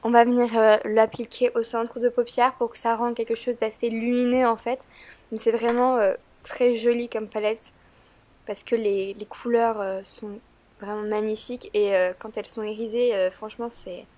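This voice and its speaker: A woman with a stuffy, slightly congested voice from a cold. She talks through a makeup tutorial in a fairly high voice, with a chatty, meandering delivery. Frequent "euh" fillers and small hesitations run through her speech. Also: little pitch movement, normal speed, a little mellow. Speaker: beauty vlogger.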